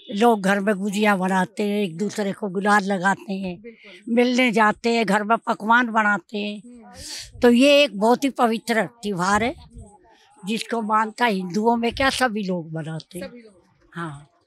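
Heard in a dry sound with no echo, a woman speaks very slowly with ordinary pitch variation. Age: 80s+. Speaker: elderly local resident interviewed; interviewee. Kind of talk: street interview. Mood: earnest, storytelling, some complaint. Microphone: handheld.

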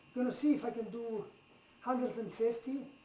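A man speaks with a high pitch, a dark, mellow tone and fairly even intonation. There is audible room echo and light background noise. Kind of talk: casual exercise vlog talk. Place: home room. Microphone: camera far.

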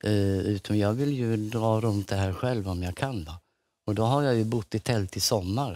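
Dry and echo-free, a man's fairly low, dark, mellow voice moves at a fairly slow pace with ordinary pitch variation. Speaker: homeless pensioner; interview guest. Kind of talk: TV interview. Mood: earnest, calm. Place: studio. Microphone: lapel.

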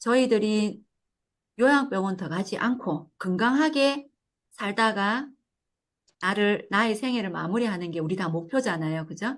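A woman at medium pitch with lively intonation, a fairly slow pace and long, frequent pauses, against a quiet background. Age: 50s. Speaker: brain training franchise manager. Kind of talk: case presentation. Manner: halting.

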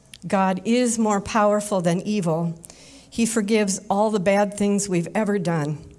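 The recording captures plain reading aloud.

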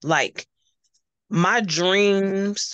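Recorded with a dry sound and no echo, a woman talks over a quiet background. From Atlanta, Georgia, US South. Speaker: former teacher. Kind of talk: casual chat. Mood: reflective, personal. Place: home room. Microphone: video call.

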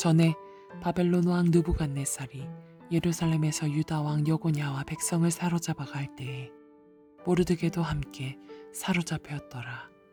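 Music in the background, and a woman's very deep, low voice at a moderate pace with fairly even intonation. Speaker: Bible reader. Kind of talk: scripture reading.

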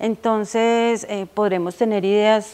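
There is a woman talking. The variation in her pitch is ordinary. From Colombia, Antioquia (Sonsón). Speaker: mayoral candidate. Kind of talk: interview. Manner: hesitant, many fillers. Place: home room.

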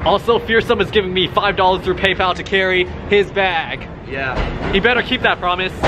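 Over music in the background, a man with a high pitch talks at a moderate pace with fairly even intonation and hardly any pauses. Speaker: vlogger. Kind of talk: casual vlog chat. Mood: cheerful, joking. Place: station. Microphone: phone near.

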